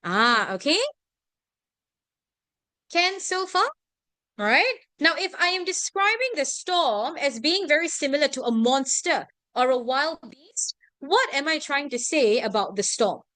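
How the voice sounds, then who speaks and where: Lively, bright-voiced Singaporean woman teacher. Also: high-pitched, a little slow, dry recording. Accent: Singaporean English. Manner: animated, constantly checking in with "right?" and "okay?". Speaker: tuition teacher. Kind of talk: online revision class.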